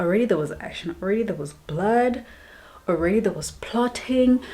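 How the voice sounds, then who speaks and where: A woman's lively intonation at a moderate pace over noticeable background noise. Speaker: book vlogger. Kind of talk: casual vlog chat.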